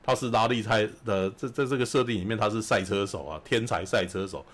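A man with a Taiwanese Mandarin accent, hosting a podcast and telling a film's story in an animated, chatty way, often asking "you know?". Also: fairly low pitch, a little fast. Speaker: podcast host. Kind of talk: casual film recap chat.

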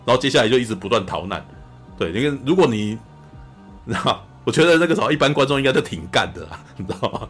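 Husky man, animated film chat. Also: mid-range voice, quick pace, soft background music. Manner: animated, acts out scenes, says "you know" a lot. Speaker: podcast co-host. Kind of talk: casual film review chat.

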